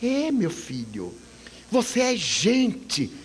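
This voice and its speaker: A man voicing a gentle, motherly female spirit guide who speaks softly and reassuringly. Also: high-pitched, huge pitch swings, extremely slow, a little hiss or hum, voice pushed up, full character voice. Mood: encouraging. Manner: soft, tender, reassuring.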